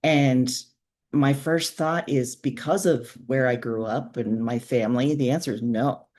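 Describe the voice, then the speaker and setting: A woman's voice: very deep voice, unhurried, a little mellow. A woman in her forties speaking reflectively and frankly as a guest author in a conversational interview. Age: 40s.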